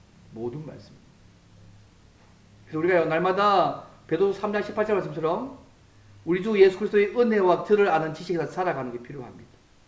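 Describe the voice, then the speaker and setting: Amid noticeable background noise and audible room echo, a man with a high pitch rushes at a very fast pace with lively intonation, big swings in loudness, and long, frequent pauses. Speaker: senior pastor. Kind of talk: sermon.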